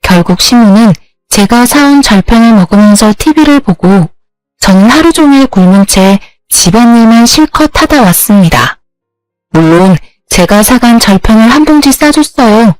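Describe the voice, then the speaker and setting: A woman's voice: a little high, expressive, moderate pace, dry recording, soft background music. A woman in her thirties telling her own story in scripted narration, with an aggrieved, plaintive tone. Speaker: story narrator, the wronged wife.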